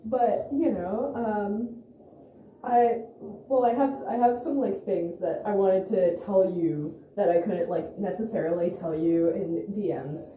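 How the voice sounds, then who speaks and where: A woman playing an awkward, hesitant young amateur investigator who talks haltingly in a found-footage vlog. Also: mid-range voice, warm tone, lo-fi sound, close to an everyday voice. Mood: nervous. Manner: halting, hesitant, full of restarts. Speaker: video host and interviewer. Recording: roomy echo, faint noise, handheld camera.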